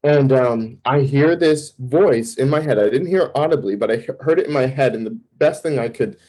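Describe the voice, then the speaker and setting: A man who serves as a campus minister, a podcast guest who tells a personal testimony in animated storytelling bursts, with fillers and restarts. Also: medium pitch, moderate pace, slightly rough, poor audio. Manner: animated storytelling, acting out his own past thoughts.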